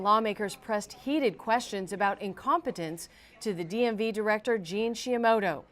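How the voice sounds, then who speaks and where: A woman with an American accent reading scripted news in a formal, emphatic newsreader delivery. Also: mid-range voice. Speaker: news reporter and anchor.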